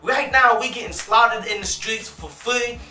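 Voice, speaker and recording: A young man with a high, bright voice hosts a casual music review, speaking in a relaxed way full of "man" and "and such." He sounds a little away from the mic in a roomy, echoing space. Faint music plays underneath him. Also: moderate pace, recorded from a distance. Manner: laid-back, peppers talk with "man" and "and such". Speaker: music reviewer and show host. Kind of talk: casual vlog-style commentary.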